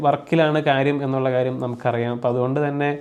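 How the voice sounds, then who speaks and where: At a medium pitch, a man talks in a plain, everyday voice. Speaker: football video commentator. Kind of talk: solo commentary video.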